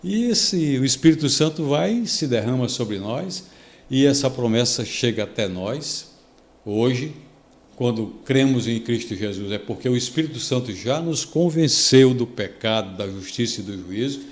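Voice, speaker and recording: A Brazilian man, a pastor, telling a story on a devotional podcast, lively and acting out the people he quotes. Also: mid-range voice, a little slow, reverberant. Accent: Brazilian Portuguese. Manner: animated storytelling, acts out quoted speech.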